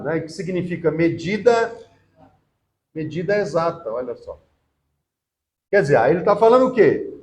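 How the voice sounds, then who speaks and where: A middle-aged man giving a classroom theology lecture, lively and often asking the class questions. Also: high-pitched. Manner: lively, asks the class questions and acts out quotes. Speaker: theology teacher.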